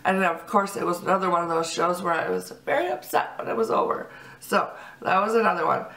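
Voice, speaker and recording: Woman, thirties, stuffy congested voice, chatty upbeat vlogger, lowish voice, echoey room, distant mic. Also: brisk, a bit bright. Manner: chatty, upbeat, lots of fillers. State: congested from a cold. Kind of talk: casual chat to camera.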